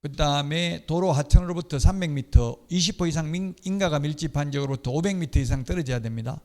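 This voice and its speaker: A middle-aged man gives an exam-prep lecture on real estate law, explaining points clearly and slipping in casual personal asides. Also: fairly high pitch, fast talker, a little mellow. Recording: long hall reverb.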